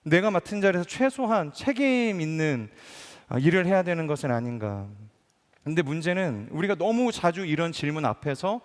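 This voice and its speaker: A man's voice: a little high, animated, normal speed. A middle-aged male pastor delivering a conversational sermon, full of rhetorical questions, who acts out the people he quotes. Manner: acts out quoted speakers in changed voices. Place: large church hall. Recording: long hall reverb.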